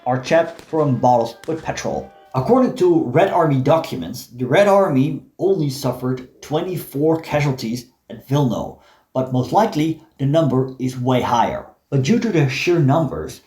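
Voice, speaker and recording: A man narrating a history documentary from a script in measured, storytelling delivery. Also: mid-range voice, animated, a little mellow, roomy sound. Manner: measured storytelling, dramatic reading of quotes.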